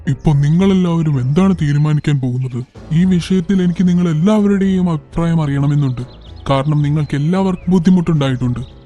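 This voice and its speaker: A man voicing a good-natured forest animal in a children's cartoon, speaking in a simple, measured manner. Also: fairly high pitch, dark tone, faint music behind, lightly acted. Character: trusting monkey; fair-minded animal king of forest.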